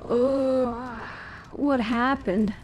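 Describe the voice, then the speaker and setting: Woman as young female elf hero, earnest, inquiring, higher pitch, amateur game dubbing, background noise. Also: fairly even intonation, very slow, darkish tone, rough recording. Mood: anxious, questioning. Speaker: player voicing her protagonist. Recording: home microphone with clear background noise.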